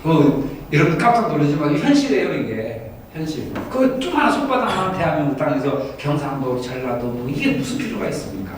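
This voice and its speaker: A man's voice: fairly high pitch, big pitch swings, fairly quick, few pauses. A male pastor from Daejeon leading a Bible study, asking his listeners for agreement again and again. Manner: asks listeners for agreement often. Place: church room. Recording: echoey room from far off, faint noise.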